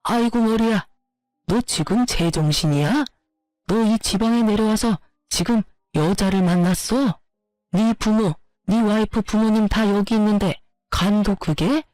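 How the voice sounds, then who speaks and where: A woman's voice: medium pitch, a little mellow, dry recording, close to an everyday voice. A woman voicing a stern older father-in-law who scolds bluntly.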